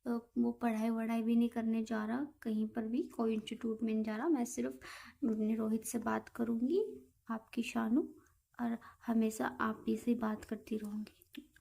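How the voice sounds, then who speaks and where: High, mellow-voiced apologetic young woman. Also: flat delivery, moderate pace, creaky. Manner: apologetic, pleading, hesitant. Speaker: girlfriend in a relationship call. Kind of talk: intimate relationship conversation.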